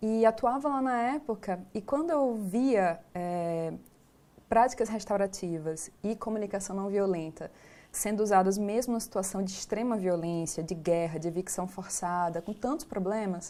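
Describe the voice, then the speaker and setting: The speaker has a Rio Grande do Norte accent and a dark, mellow tone. The pace is moderate, with ordinary pitch variation. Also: woman, medium pitch for a woman. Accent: northeastern Brazilian (potiguar), noticeable. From Brazil, Natal (Rio Grande do Norte). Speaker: law scholar and restorative justice facilitator. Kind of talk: TV interview.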